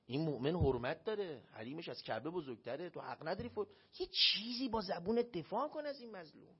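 A man's voice: a little high, animated, breathy edge. A man preaching a religious sermon, telling a personal story and acting out the voices he quotes. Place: shrine hall. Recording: dull lo-fi recording.

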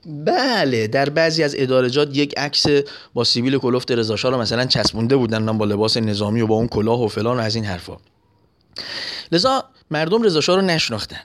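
A man preaching a sermon, telling an anecdote and acting out its voices. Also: mid-range voice. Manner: animated, acts out voices in anecdotes. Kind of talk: sermon with storytelling.

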